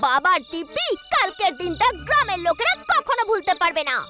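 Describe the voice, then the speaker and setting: An actor voicing an excitable, boastful cartoon bandit sidekick who declaims dramatically to please the boss. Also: very high voice, brisk. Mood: boastful, threatening. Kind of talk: cartoon voice acting. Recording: loud music behind the voice. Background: loud cartoon music.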